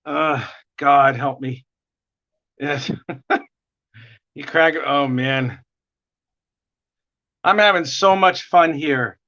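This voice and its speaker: A man with a New York accent and a gravelly voice talks casually as he works on a drawing. His voice sits slightly high with a bright, forceful edge, and he rambles and chuckles through the chat. The stream audio is dull and lo-fi. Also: very slow, pauses often. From United States. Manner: chatty, rambling, chuckling often. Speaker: artist livestreaming a drawing session.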